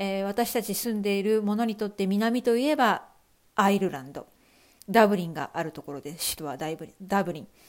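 On a very clean recording with a silent background, a woman has a normal speaking voice at a medium pitch with ordinary pitch variation. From Japan, Okayama. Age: 40s. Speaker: podcaster and Japanese teacher. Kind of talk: solo podcast monologue.

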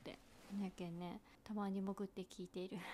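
A woman with a Fukuoka accent speaks in a relaxed, dark and mellow tone at a medium pitch. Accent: Hakata dialect. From Hakata, Fukuoka, Japan. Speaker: podcast host. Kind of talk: casual chat. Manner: relaxed, slow.

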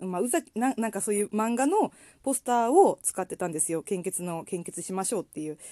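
A dark, mellow voice moves at a fairly quick pace with lively intonation, recorded dry and close with no echo. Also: woman, medium pitch for a woman, very clean recording, silent background. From Shikoku, Japan. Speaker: solo talk podcaster. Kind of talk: casual monologue. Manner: casual, many fillers.

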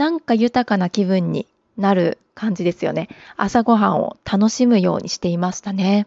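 This woman's voice sits at a medium pitch with a dark, mellow tone. She keeps a calm tone and a moderate pace. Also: ordinary pitch variation. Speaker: podcaster, mother. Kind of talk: solo monologue.

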